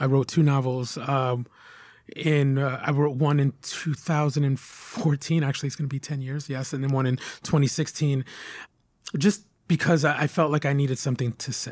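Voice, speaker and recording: A man with an American accent and an unremarkable speaking voice, fairly high in pitch, at a moderate pace. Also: fairly even intonation. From New York, Bronx. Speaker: writer and podcaster. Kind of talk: interview conversation. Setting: in-person recording.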